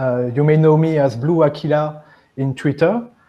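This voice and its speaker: Speech comes at a fairly slow pace. It is delivered in a French accent. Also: man. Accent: French accent, noticeable. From France. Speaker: software developer and generative artist. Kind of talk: interview. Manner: halting, many fillers.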